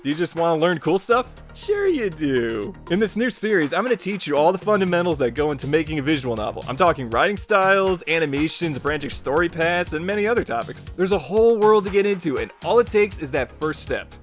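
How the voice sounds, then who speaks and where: A man's voice: fairly high pitch, big pitch swings, brisk, hardly any pauses. A man hosting an online video, narrating a scripted promo in a playful, chatty, emphatic way. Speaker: YouTube host and tutorial creator. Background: music.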